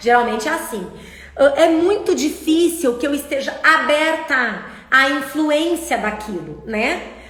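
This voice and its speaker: A woman speaks at a high pitch with lively intonation, at a fairly slow pace. There is audible room echo and noticeable background noise. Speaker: life coach / live presenter. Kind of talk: live stream talk to viewers. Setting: live stream.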